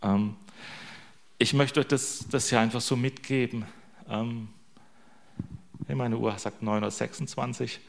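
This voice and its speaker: A man's voice: medium pitch, steady tone, unhurried, creaky, pauses often. Chatty, joking male preacher. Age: young adult to middle-aged, a father. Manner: chatty, joking, constant tag questions. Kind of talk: informal sermon.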